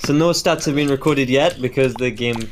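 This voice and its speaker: A man organizing and playing in a game event, tossing out quick reactive remarks. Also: medium pitch. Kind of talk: casual gaming chat. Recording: noisy mic with clicks and typing.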